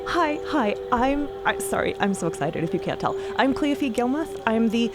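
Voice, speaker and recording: A bubbly young princess envoy played by a woman gushes in a high, swooping voice. She is eager and chatty, babbling in an audio drama with music behind her. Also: animated, moderate pace, lightly acted. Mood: elated, eager. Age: young adult. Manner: gushing, babbling, breathless eagerness. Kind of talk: audio drama character acting.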